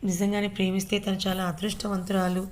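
A woman voicing a curious, kind young woman friend in a spoken story, gently probing. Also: medium pitch, level tone, fast talker, a little hiss or hum, natural voice.

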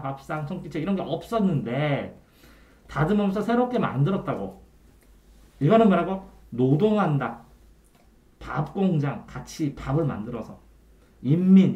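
Male tutor, animated delivery, keeps checking the student understands. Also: on the high side, moderate pace, highs cut off. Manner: trailing off quietly at the ends of phrases. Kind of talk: one-on-one Korean grammar tutoring. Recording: echoey room.

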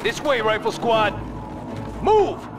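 A high-pitched, fired-up soldier. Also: male voice, sing-song, slow pace, distant mic, background noise, heavily acted. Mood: urgent, rousing. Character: fired-up infantry soldier barking battlefield orders. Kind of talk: video game unit barks. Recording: loud battlefield gunfire behind.

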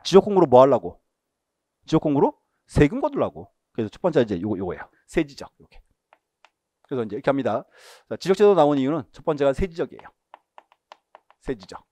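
A man's voice: medium pitch, big pitch swings, fast, pauses often, warm tone, no room sound, clean studio sound. A male lecturer giving an exam-prep lesson, asking questions and answering them himself, repeating key terms and telling students what to mark in the book. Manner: asks and answers his own questions.

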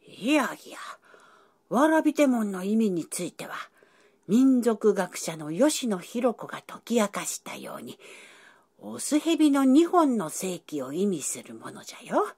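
A woman's voice: mid-range voice, sing-song, unhurried, a little mellow, slightly rough, heavily acted. A woman voicing an elderly male professor who lectures at length in old-fashioned speech. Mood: lecturing. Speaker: professor explaining ancient symbols. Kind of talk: educational dialogue.

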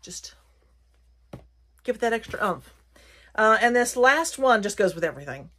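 A woman's voice: on the high side, big pitch swings, normal speed, fairly bright tone. A middle-aged woman with a light Southern American accent, chatting casually and in a rambling, self-correcting way as she presents a haul video. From Virginia, United States. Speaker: haul and craft vlogger.

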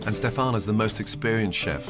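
A man's voice: on the low side, fairly quick. A man reading a matter-of-fact voice-over for a reality TV show. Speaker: narrator. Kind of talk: scripted TV voice-over. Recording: voice-over over loud music bed.

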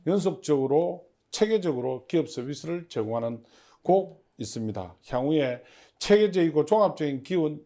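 A man giving formal, somewhat halting interview answers as the head of a public agency, as if partly reading prepared notes. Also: a little high, animated, warm tone.

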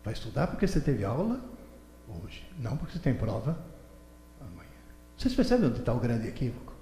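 A man in his seventies giving an animated lecture on a stage, telling stories with mimicked voices and indignant outbursts. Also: medium pitch, fairly quick, slight background noise. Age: 70s. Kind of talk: animated lecture to a seminar audience. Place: large hall with a stage. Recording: echoey hall recorded from far off.

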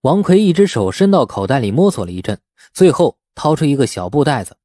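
A male audiobook narrator reads a novel in a dramatic, scripted style. His pitch is expressive and varied, and the recording is dry and free of room sound. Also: fairly quick, no room sound.

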